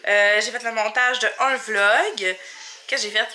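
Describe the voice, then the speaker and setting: A woman's voice: on the high side, fairly even intonation, measured pace, bright, forceful tone. A young woman with a Quebec French accent and a stuffed-up nose, chatting casually and thinking aloud in a vlog at home. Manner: rambling, informal, thinking aloud. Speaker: vlogger and mother. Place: indoors at home.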